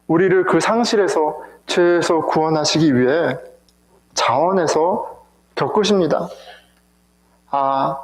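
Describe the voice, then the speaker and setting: Emotional preacher guy, high voice, big echoey church. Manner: emotional, rhetorical, addresses the congregation. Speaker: pastor. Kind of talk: sermon. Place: church sanctuary.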